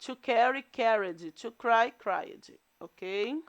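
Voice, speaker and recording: A Brazilian woman teacher talking slowly and carefully, pausing over each rule. Her voice sits a little high, and she drags out each word in the lists she reads. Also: dull audio. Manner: slow, deliberate explanations with drawn-out word lists. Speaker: English teacher. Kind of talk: recorded class lesson.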